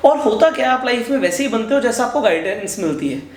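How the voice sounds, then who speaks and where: A man's voice: very high voice, quick pace, echoey room. A young man hosting a casual interview, speaking animatedly and mixing Hindi and English. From India. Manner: animated, mixes Hindi and English, eager agreement. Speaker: host, stock market educator.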